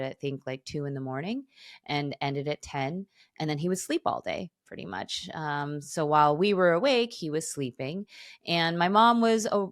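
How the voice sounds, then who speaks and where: Low-pitched American woman in her forties. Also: dry recording, studio quality. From suburbs of Chicago, United States. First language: Korean. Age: 40s. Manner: chuckles often while talking. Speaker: podcast guest. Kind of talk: casual autobiographical interview talk.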